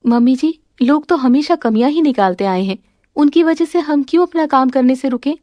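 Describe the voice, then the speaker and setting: A woman voicing a gentle, sensible young daughter-in-law who speaks politely and calmly. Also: high-pitched, normal speed, no echo, muffled recording, natural voice. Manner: polite and calm.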